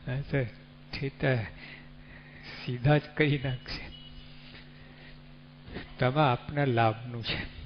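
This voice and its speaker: Male preacher, measured sermon delivery, faint hum in the background. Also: mid-range voice, steady tone. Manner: unhurried, teaching with rhetorical questions and animal examples. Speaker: religious speaker. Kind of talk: devotional sermon. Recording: dull lo-fi recording with faint hum.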